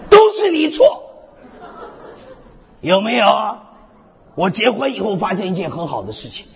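A man's voice: high voice, moderate pace, vocal fry, slight background noise. A male pastor preaching a sermon with energy, mixing humor and self-deprecating stories with frequent hallelujahs. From North America resident. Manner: animated preaching, peppered with call-and-response hallelujahs. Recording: dull hall with long reverb.

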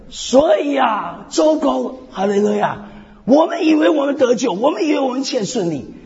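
A man's voice: high voice, breathy edge. A male pastor preaching a sermon with energy, mixing humor and self-deprecating stories with frequent hallelujahs. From North America resident. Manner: animated preaching, peppered with call-and-response hallelujahs. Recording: dull hall with long reverb.

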